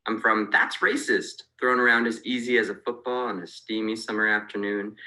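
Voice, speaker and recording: A young man reading his own poem in a measured, rhythmic delivery. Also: fairly low pitch, sharp tone, poor audio. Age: young adult. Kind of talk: recited poetry.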